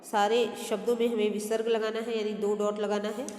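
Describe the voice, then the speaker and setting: A woman teacher explains a workbook exercise step by step, dictating each word slowly. Her voice sits at a middle pitch. It carries a roomy echo with a long trailing reverb. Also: little pitch movement, darkish tone, soft background music. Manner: slow, deliberate word-by-word dictation with self-corrections. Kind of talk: step-by-step textbook lesson. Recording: echoey room with long reverb.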